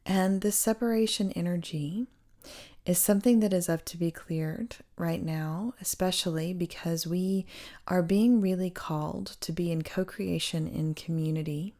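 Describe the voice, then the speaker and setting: A woman speaking as a meditation guide, giving gentle, hushed spiritual instruction with pauses. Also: lowish voice, fairly even intonation. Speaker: meditation guide and sound healer.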